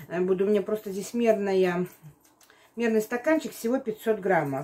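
A woman speaks at a fairly slow pace with lively intonation. Light background noise is present. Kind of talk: cooking tutorial. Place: kitchen.

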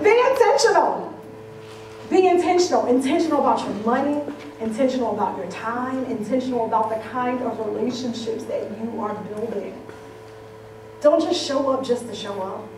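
A woman's high-pitched voice with lively intonation and a moderate pace, amid audible room echo and noticeable background noise. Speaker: motivational speaker and business coach. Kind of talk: keynote speech to live audience. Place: hall.

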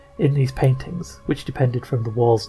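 Music plays in the background. A man speaks with fairly even intonation. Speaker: podcast narrator. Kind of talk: literary reading.

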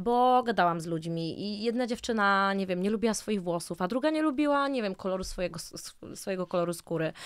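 A woman talks at a fairly quick pace with lively intonation over a quiet background. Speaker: singer and music producer; podcast guest. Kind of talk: casual interview conversation. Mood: reflective, animated. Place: studio. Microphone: studio mic.

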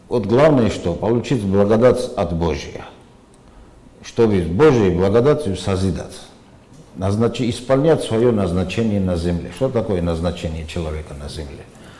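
A man speaks with a Georgian accent. He leaves long, frequent pauses. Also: fairly low pitch for a man, lively intonation, moderate pace. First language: Georgian (speaking Russian). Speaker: religious talk show host. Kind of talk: studio discussion on faith and history. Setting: studio. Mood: calm, explanatory. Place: studio.

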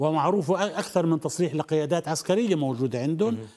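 Lively intonation from a fairly high-pitched man against a quiet background. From Palestinian citizen of Israel. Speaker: political party official; guest. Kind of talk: TV panel discussion. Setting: studio. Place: studio. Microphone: lapel.

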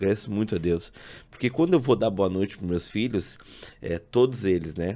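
Dark, mellow tone at a moderate pace, with lively intonation. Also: man. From Rio Grande do Sul, Brazil. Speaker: podcast host. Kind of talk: interview. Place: studio. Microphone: studio mic.

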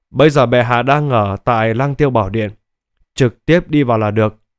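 The dry sound has no echo as a man speaks at a moderate pace with ordinary pitch variation over a quiet background. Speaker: story narrator. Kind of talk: audiobook story narration. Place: home room. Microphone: studio mic.

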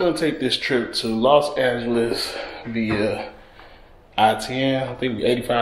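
Over music in the background, a man speaks with ordinary pitch variation amid audible room echo. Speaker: motorcycle vlogger. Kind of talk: casual vlog chat. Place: garage. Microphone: phone near.

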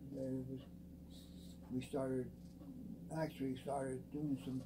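A man's somewhat breathy, dark, mellow voice over noticeable background noise. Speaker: World War 2 veteran. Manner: rambling; halting. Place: kitchen. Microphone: camera far.

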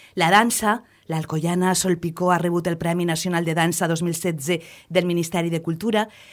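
A woman speaks at a moderate pace in a fairly low, monotone, flat voice against a quiet background. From Valencian Country, Alcoi; Valencian Country. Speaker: radio journalist; radio journalist interviewee. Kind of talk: interview; scripted narration. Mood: warm, smiling. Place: studio.

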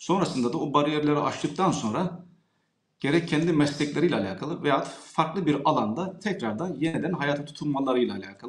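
With audible room echo around him, a man speaks somewhat breathily at a fairly high pitch. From Turkey. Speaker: journalist and documentary producer; journalist guest. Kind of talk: interview. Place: home room. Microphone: video call.

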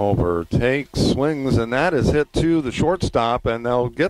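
A man with an American accent and an unremarkable speaking voice speaks with lively intonation. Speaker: sports play-by-play announcer. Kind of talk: live commentary. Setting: outdoors at a ballpark.

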